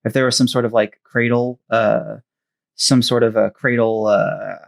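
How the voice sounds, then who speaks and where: A man's voice: medium pitch, flat delivery, measured pace, creaky. A man co-hosting a podcast in casual chat, hesitant, with many fillers as he searches for words. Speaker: podcast co-host.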